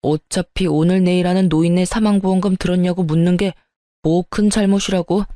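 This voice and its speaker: A woman's voice: lowish voice, fairly even intonation, brisk, mellow, no room sound, studio quality, lightly acted. A woman voicing a selfish, hot-tempered young husband in a read-aloud story, blustering and stammering when flustered.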